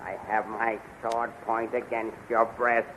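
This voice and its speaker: An actor playing a gloating villainous general and court magician in a 1930s radio serial, halting, muttering and imperious. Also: male voice, fairly low pitch, level tone, a bit bright. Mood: menacing. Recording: dull, noisy 1930s radio recording.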